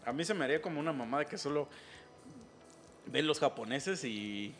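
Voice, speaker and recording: Mexican guy chatting casually, slangy, voice goes up and down a lot, kinda high. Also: normal speed, soft background music. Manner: slangy, animated, laughs often. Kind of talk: casual chat.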